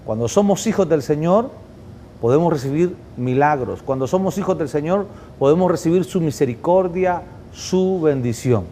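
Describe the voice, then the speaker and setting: A man's voice: a little high, lively intonation, normal speed, mellow, slight background noise. A man hosting a Christian television program, speaking with a fervent, repetitive preacher cadence.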